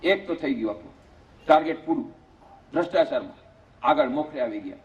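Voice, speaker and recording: High-voiced monk giving an animated sermon. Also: male voice, fairly quick. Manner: animated, acts out story voices. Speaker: monk, head of an ashram. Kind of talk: storytelling sermon. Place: community hall. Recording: muffled lo-fi lecture recording.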